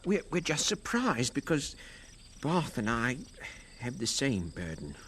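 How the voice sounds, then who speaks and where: An actor playing a supportive but burdened Gypsy brother in a religious audio drama, earnest and given to stammering. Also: male voice, mid-range voice, huge pitch swings, measured pace, fairly bright tone, breathy edge, exaggerated voice. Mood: gentle concern.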